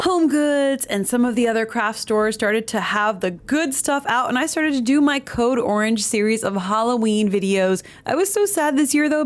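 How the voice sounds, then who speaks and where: A woman from Miami, a theme park vlogger, chatting enthusiastically through a casual year-in-review in her home office. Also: fairly high pitch. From Miami, United States. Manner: chatty and enthusiastic, with gushing asides. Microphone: sit-down home office recording.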